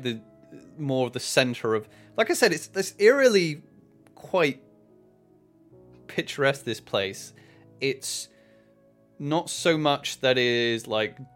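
A man working as game master, improvising descriptive narration for a tabletop game with hesitant pauses mid-phrase. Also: mid-range voice, fairly bright tone.

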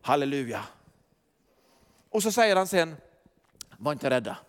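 High-voiced preaching man in a hall. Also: very animated. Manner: emphatic preaching that swings from quiet asides to shouted declarations; chuckles often while telling. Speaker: pastor. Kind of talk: sermon. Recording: long reverb of a large hall.

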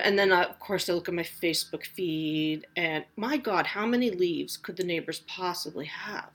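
Woman in her forties, slightly low voice, chatty solo podcast host, rambling, self-deprecating. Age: 40s. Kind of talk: casual solo podcast monologue. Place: home.

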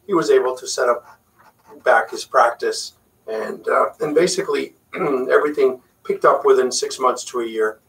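A man's voice: medium pitch, normal speed, gravelly, far from the mic, low-quality recording. A middle-aged man from Puerto Rico whose first language is Spanish, a facial plastic surgeon chatting casually as a guest. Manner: relaxed, chatty, frequent fillers. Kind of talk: casual interview chat.

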